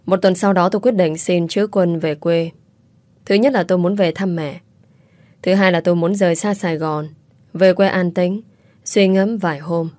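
A woman reading a first-person story aloud in a calm, reflective, steady manner. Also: on the low side, no echo. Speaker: audiobook narrator.

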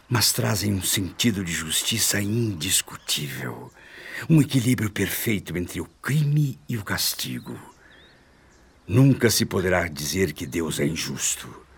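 An actor playing a tormented, repentant middle-aged father in a Brazilian radio drama, speaking solemnly and earnestly with deliberate phrasing. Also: sits low, vocal fry, breathy edge, heavily acted. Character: tormented, repentant father seeking faith and self-control.

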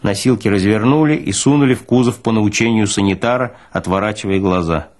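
A man reading literary prose as a narrator, with expressive, deliberate phrasing. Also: fairly low pitch.

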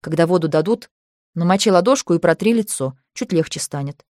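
A woman voicing a caring young woman who gives quiet, gentle advice. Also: fairly low pitch, animated, brisk, dry recording, clean studio sound, natural voice. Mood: tender. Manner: soft, quiet, advising.

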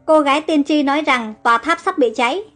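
Panicky foot soldiers reporting to their king in an audio storybook, read by a woman. The lines come out alarmed and high-pitched, with faint music behind. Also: fairly quick, fairly bright tone.

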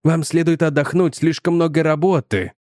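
A calm young male scientist, coolly dismissive and politely evasive, speaking with even composure, as a male audiobook narrator reads him. The sound is dry and close to the mic. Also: fairly high pitch, moderate pace, no echo, natural voice.

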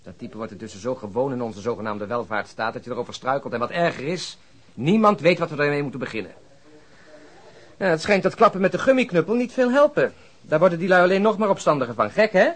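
A principled male police detective in a radio drama. His voice is rough-edged and he speaks rapidly, with irony and moral conviction. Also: a little high, lively intonation. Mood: ironic. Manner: ironic, impassioned. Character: indignant, compassionate, cynical-humoured male police detective with a conscience. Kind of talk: radio play dialogue.

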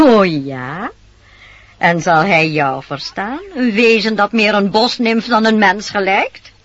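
A woman's voice: mid-range voice, slow pace, a bit bright. An actress in a Dutch radio play voicing a scheming peddler woman who coaxes and wheedles insistently. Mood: sly, persuasive. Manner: wheedling, insistent sales patter. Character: disguised scheming peddler woman, coaxing and sly. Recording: dull noisy old radio recording.

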